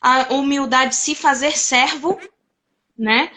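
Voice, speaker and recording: A woman's voice: high-pitched, takes it slowly, bright, forceful tone. A woman in a casual devotional chat on a video call, retelling scripture with many restarts. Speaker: participant in a Bible discussion.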